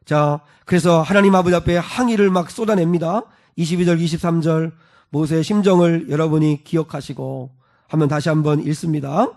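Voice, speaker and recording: Man, pastor, sermon, high voice, emphatic then hushed. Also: steady tone, fairly quick. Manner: dramatic retelling, acting out quoted voices; builds to emphatic peaks, then drops soft.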